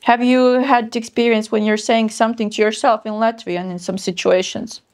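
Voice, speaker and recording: A woman's voice: a little high, little pitch movement, moderate pace, a little mellow. A woman hosting a podcast interview, upbeat and encouraging, with lots of small agreeing hums. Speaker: host.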